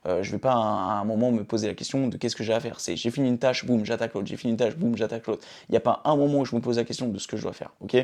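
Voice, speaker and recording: A man's voice: medium pitch, very fast, hardly any pauses, a little mellow. Casual young man sharing routines. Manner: chatty and informal, often checks in with "d'accord". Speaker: vlogger. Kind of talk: casual self-help talk to camera. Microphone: phone camera.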